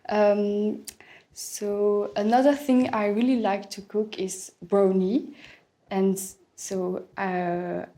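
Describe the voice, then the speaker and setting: A woman's voice: medium pitch, little pitch movement, takes it slowly, warm tone. A young woman from Belgium, hesitantly answering exam questions in simple English, searching for words. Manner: hesitant, searching for words, non-native phrasing. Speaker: English speaking test candidate.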